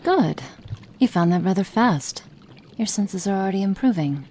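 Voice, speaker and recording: A woman voicing a cruel, cold witch experimenting on a captive in an ASMR roleplay, speaking slowly and menacingly and slipping into soft whispers. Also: mid-range voice, lively intonation, slight background noise, lightly acted. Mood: clinical, curious.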